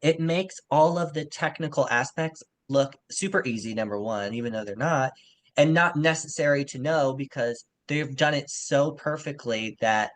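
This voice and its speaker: Male literary podcast co-host, average pitch, casual and discursive analytical talk. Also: normal speed.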